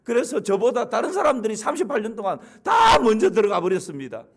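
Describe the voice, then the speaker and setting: A long-ill man pleads his excuse in a raised, complaining voice, as a preacher acts him out. He explains himself earnestly, his pitch lifting and swinging widely. It sounds like a short scene inside a sermon. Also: wildly swooping pitch, quick pace, heavily acted. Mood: pleading.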